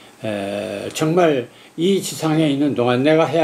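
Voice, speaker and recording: Here a man speaks at a very slow pace and a fairly high pitch. His intonation is lively, with noticeable background noise behind him. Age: 80s+. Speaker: retired professor and poet lecturing. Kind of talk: lecture. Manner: halting, with many filler sounds.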